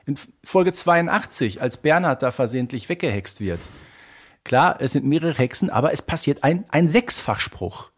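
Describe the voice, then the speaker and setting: A man's voice: on the high side, lively intonation, moderate pace. A man co-hosting a podcast, talking casually and emphatically in a mock-exasperated rant. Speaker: podcast co-host. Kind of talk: casual discussion of an audio drama series.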